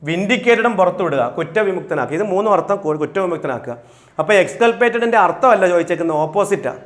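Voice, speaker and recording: A male exam coach with a Malayalam accent, reading English questions out slowly and then explaining the answers quickly. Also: high voice, lively intonation. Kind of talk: recorded exam-prep lesson.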